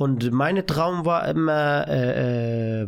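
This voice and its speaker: A man with an Arabic accent, medium pitch and ordinary pitch variation. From Syria. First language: Arabic (speaking German). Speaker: theatre director. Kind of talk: casual interview. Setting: radio studio. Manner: halting, non-native phrasing.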